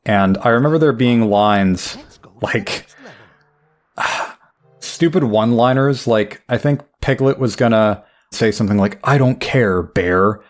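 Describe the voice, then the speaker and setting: A man's voice: medium pitch, unhurried. A young man giving rambling, wry, self-deprecating commentary while playing a game. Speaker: gameplay commentator. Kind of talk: casual let's play commentary.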